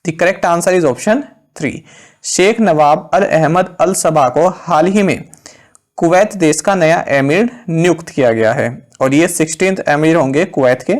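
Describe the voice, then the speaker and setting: Indian man teaching a current-affairs quiz. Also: a little high. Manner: reads questions slowly, then explains in quick asides. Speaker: exam-prep quiz host.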